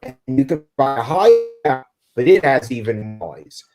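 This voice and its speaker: A man's voice: medium pitch, very animated, moderate pace, loud music behind the voice. A man hosting a live stream, explaining things in a chatty way while his online call audio breaks up and cuts out. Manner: chatty, explains with everyday comparisons. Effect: online call audio breaking up and cutting out. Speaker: host explaining audio gear.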